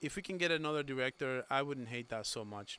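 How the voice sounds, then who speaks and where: A man speaks fairly quickly with a Spanish accent and a bright, sharp tone. His pitch is fairly high, with ordinary variation. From Spanish-speaking country, moved to US at 15. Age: 30s. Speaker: football streamer. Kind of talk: live stream chat reaction. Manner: animated.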